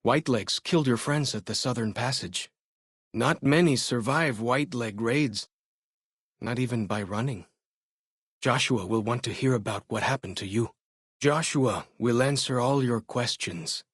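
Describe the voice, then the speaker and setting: An actor playing a young tribal scout in a video game, friendly, eager and earnest, speaking in simple, informal phrasing. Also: male voice, medium pitch, a little slow, husky, no room sound, studio quality. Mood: informative, friendly. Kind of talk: video game character dialogue.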